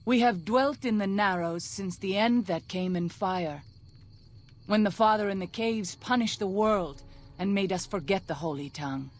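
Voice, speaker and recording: A woman's voice: medium pitch, close to an everyday voice. Solemn tribal midwife played by a woman. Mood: grave. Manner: formal, measured, slightly archaic phrasing. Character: solemn tribal midwife and scout in a post-apocalyptic valley. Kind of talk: video game dialogue.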